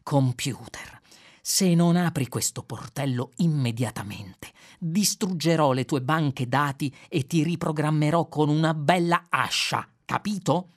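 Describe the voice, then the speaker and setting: A man voicing an impatient male space adventurer who talks in slow, clipped words through gritted teeth. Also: on the high side, fairly bright tone. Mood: threatening.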